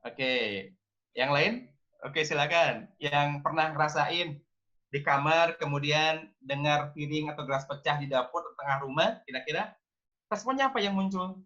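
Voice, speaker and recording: A man's voice: on the high side, normal speed, pushed and bright, lo-fi sound. A man giving an online parenting talk, asking the audience questions and acting out how parents react. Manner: engaging, asks audience, acts out scolding parents. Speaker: parenting speaker.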